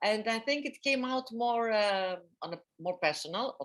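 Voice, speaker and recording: A woman with a Greek accent at a moderate pace. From Greece. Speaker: author. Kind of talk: interview. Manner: halting.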